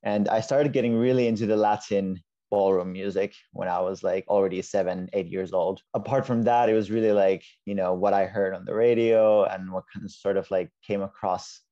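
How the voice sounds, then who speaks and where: Low dull-toned young Finnish man. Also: brisk, hardly any pauses. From Finland. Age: 20s. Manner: relaxed, lots of like and you know. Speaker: guest. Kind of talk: casual interview chat. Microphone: earbud mic on a video call. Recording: dull lo-fi video call audio.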